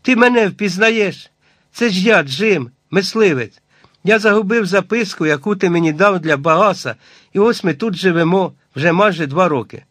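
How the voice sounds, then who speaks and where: A high, excited young hunter, as a male narrator puts him on, crying out in slow, stretched words and begging to be recognized. He sounds close and dry, with no room around the voice in this audiobook reading. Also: no echo. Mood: overjoyed pleading.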